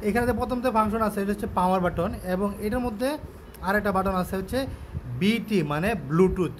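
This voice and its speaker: A man with a Bangladeshi accent giving a casual product demonstration and sales pitch, explaining step by step and often repeating himself. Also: quick pace, slight background noise. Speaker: shop seller presenting a product on his channel.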